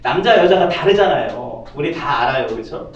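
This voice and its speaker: A man's voice: a little high, expressive, fairly quick, a little hiss or hum. A man preaching a sermon as pastor, joking and asking his congregation questions. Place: church sanctuary. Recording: distant, echoey, slightly dull church audio.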